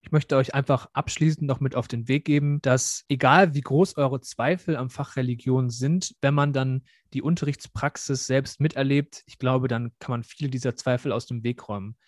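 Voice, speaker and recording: A man's voice: mid-range voice, fairly even intonation, normal speed, few pauses, no echo, clean studio sound. A young man in his twenties, a student teacher, talking reflectively and earnestly as a podcast guest. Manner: reflective, earnest, many fillers. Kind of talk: podcast interview.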